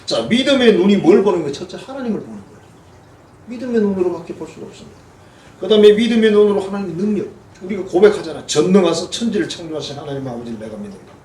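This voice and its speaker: Gyeongsang pastor preaching in an echoey church. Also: male voice, high-pitched, animated, very fast, a little mellow, slight background noise. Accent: Gyeongsang Korean. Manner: folksy, humorous, acts out quoted voices. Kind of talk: sermon. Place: church sanctuary. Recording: echoey church hall, mic at a distance.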